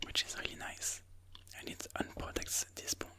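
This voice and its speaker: A person whispering ASMR game commentary in a breathy, mostly unvoiced voice, slowly and soothingly thinking aloud. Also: pushed and bright. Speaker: ASMR chess video host.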